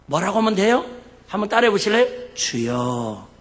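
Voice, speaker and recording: An animated male pastor preaching with sharp, bright energy, joking back and forth with his congregation and breaking into shouts. His high, lively voice rings through a reverberant church sanctuary. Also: a little fast. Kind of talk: sermon. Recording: echoey church hall.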